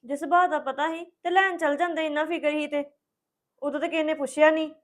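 A woman's voice: high voice, fairly even intonation, fast, lightly acted. An actress playing a young college student defending herself to her family. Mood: defensive. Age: young adult. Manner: defensive, explaining, hurt.

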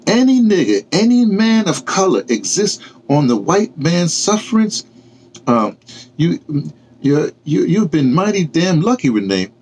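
A man reading aloud and voicing a stern, blunt man lecturing his friend, emphatic and halting. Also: mid-range voice, big pitch swings, creaky, darkish tone, a little hiss or hum.

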